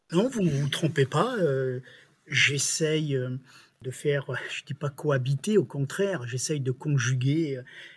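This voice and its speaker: The man speaks at a very slow pace with a somewhat breathy voice. His fairly high pitch stays fairly even in intonation. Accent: Dauphiné. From Grenoble region, France. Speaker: printing industry executive and consultant. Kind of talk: interview.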